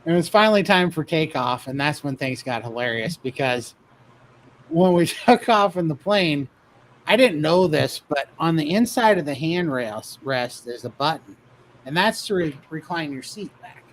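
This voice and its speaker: A man's voice: a little high, lively intonation, normal speed, a little hiss or hum, poor audio. A man casually telling a funny story about himself, laughing often as he goes. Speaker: guest telling his weight-loss story.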